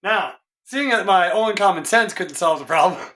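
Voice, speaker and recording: Puzzled and exasperated, a middle-aged guitar tech muses aloud in his home workshop during a casual vlog. His hoarse voice is high-pitched, pushed and bright, moving at normal speed, and the camera recording him sits a few feet away.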